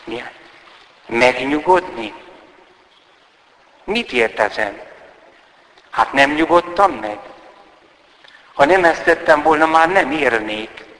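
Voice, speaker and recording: A man's voice: fairly high pitch, sing-song, vocal fry, long pauses, a bit bright, voice pushed up, heavily acted. A man putting on a bitter, proud old countess. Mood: defiant. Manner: haughty, bitter, declamatory. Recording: roomy hall with long reverb.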